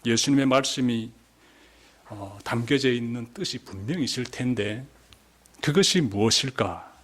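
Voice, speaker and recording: A man, a pastor, preaching a Sunday sermon in a church, speaking deliberately, repeating key words and rising in pitch for emphasis. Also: a bit bright. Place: church sanctuary.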